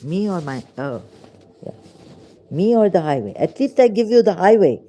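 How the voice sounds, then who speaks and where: A woman's voice: fairly low pitch, big pitch swings, normal speed, mellow, a little hiss or hum. A woman with a Pakistani accent giving rambling, sarcastic religious commentary in broken English. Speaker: vlogger.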